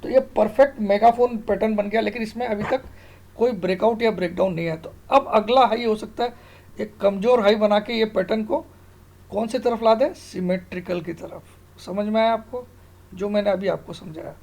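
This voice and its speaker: Guy, middle aged, bit of fry in his voice, explaining stuff tutorial style, keeps asking if you get it. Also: sits high, normal speed, a little mellow. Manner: repeatedly questions and checks with the listener. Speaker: stock market analyst and online tutor. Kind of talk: informal screen-tutorial explanation of trading charts.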